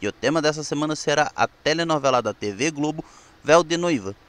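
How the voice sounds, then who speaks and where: A Brazilian man with a notably high voice narrates as a channel presenter. His delivery is explanatory and partly scripted. He stumbles over a word now and then. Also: lively intonation, quick pace, a bit bright. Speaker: presenter of a weekly history channel. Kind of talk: semi-scripted narration of TV history.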